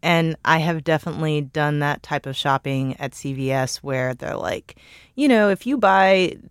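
A woman's voice: sits low, moderate pace, clean tone, dry recording, studio quality. A woman co-hosting a podcast in casual chat, laughing often. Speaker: co-host.

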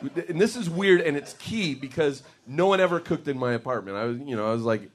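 A man's voice: fairly high pitch, lively intonation, fairly quick. Rambling stand-up comedian man. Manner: rambling storyteller, lots of fillers and acted-out quotes. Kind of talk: live stand-up set. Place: comedy club stage. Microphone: stage mic.

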